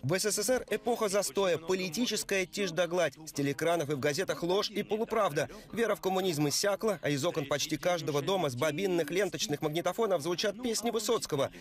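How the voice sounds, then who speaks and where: A man narrating a scripted news report in a measured, solemn voice-over. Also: sits high. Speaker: news correspondent. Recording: voice-over with music bed.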